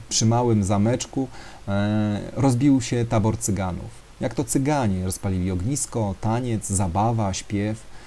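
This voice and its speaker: A man's voice: lowish voice, warm tone. A man telling a story to an audience, talking hesitantly with fillers and speaking directly to his listeners.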